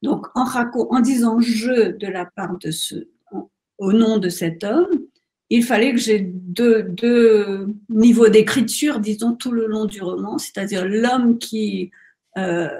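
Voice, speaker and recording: A woman's fairly high, somewhat breathy voice with a dark, mellow tone, at a very slow pace. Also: ordinary pitch variation. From Mauritius. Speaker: novelist. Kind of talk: interview.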